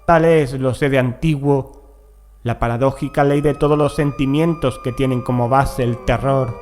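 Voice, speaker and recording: A man reading a gothic horror tale as an audiobook narrator, in a measured, deliberate manner with dramatic pauses. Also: medium pitch, steady tone, darkish tone. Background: music.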